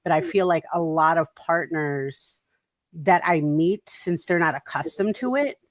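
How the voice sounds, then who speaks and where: A woman co-hosting a talk show in casual, animated chat, laughing and putting on playful voices as she talks. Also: low voice, a little slow, dry recording, clean studio sound. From Puerto Rican heritage. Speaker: podcast co-host.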